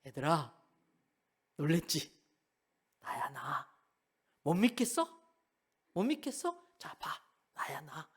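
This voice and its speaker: A gentle, patient teacher speaks in a quiet, hushed voice, played by a preaching man. He sounds tender and reassuring, almost whispering at times. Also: mid-range voice, unhurried, pauses often, pitched below the performer's own voice, lightly acted. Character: gentle, comforting risen teacher, male.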